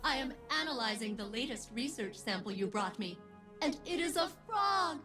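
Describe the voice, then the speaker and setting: Failsafe, a chipper ship AI. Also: female voice, on the high side, moderate pace, soft background music. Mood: cheerful deadpan. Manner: prim, precise phrasing with deadpan asides. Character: chipper, literal-minded female ship AI. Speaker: game character. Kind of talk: video game voice acting.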